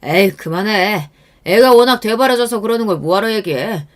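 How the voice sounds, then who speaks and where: A woman's voice: medium pitch, lively intonation, normal speed, close to an everyday voice. A woman doing a cold, dismissive uncle. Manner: curt and dismissive. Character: dismissive middle-aged uncle, cold and belittling.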